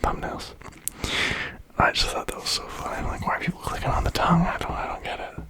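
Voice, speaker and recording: Man whispering rambling, casual ASMR. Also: fairly quick. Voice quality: breathy, voiceless whisper. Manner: musing, rambling, slangy. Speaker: ASMR video creator.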